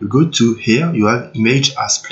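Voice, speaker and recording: Pitched at a medium level, a man's voice varies in an ordinary way. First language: not English. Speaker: software tutorial maker. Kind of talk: tutorial. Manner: halting, many fillers.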